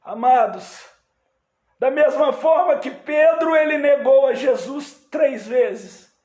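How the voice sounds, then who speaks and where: High, shouting Brazilian preacher in echoey hall. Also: male voice. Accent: Brazilian Portuguese. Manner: fervent, often shouted preaching with quoted dialogue. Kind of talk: live church sermon. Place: church hall.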